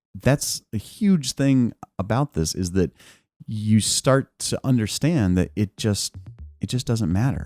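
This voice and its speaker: The intonation is lively at a very slow pace. The recording is very clean with a silent background and a dry, close sound with no echo. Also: man, fairly low pitch for a man. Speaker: regional director of a stuttering programme. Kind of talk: interview answer.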